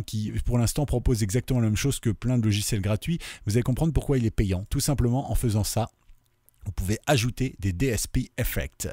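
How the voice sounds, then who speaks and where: A man with a French accent hosting a casual webradio software tutorial, talking viewers through each step with many fillers. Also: mid-range voice, dry recording, clean studio sound. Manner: chatty, many fillers, addresses viewers directly.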